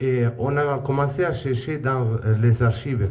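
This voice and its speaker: With an Italian accent, a somewhat breathy man speaks fairly slowly with ordinary pitch variation, and room echo is audible. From Italy. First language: Italian (speaking French). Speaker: charity founder. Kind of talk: press conference. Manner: halting.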